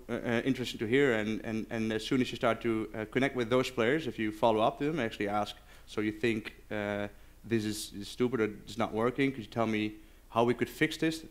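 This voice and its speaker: Guy at a conference doing q&a, clean resonant voice, keeps stopping to find his words. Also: medium pitch. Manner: halting, searching for words. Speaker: conference speaker, game developer. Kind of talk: informal question-and-answer after a presentation. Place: live conference session.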